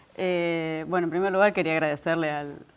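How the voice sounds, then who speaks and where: In an Argentine accent, a woman speaks at a moderate pace. Her pitch is fairly low, and the background is quiet. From Argentina. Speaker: art historian. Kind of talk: lecture.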